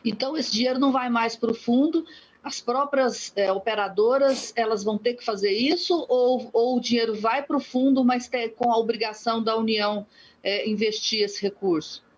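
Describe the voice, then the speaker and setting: A woman's voice: a little high, moderate pace. A woman hosting a radio interview, asking conversational questions with some hesitation. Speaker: radio host. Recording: dull radio broadcast with music.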